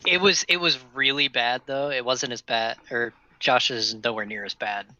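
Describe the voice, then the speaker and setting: Bright, teasing man on a dull mic. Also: mid-range voice, fairly even intonation, normal speed. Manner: teasing, joking. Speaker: player. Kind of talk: casual chat during an online tabletop game.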